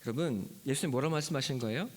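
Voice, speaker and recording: A male pastor preaching a sermon to his congregation, retelling a Bible story and acting out its characters, sometimes dropping to a hushed whisper. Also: mid-range voice, rapid-fire. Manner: emphatic preaching that drops to a hushed whisper for key words; addresses the congregation directly. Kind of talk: Easter sermon.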